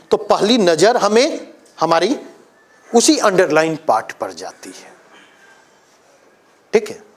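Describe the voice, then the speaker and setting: A man's voice: high-pitched, a little mellow. A man teaching an exam coaching class, lecturing emphatically and putting questions to his students.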